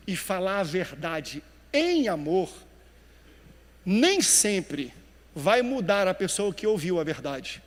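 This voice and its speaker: A male pastor preaching a sermon with animated emphasis, dropping quiet and then rising loud. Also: sits high, in a large hall.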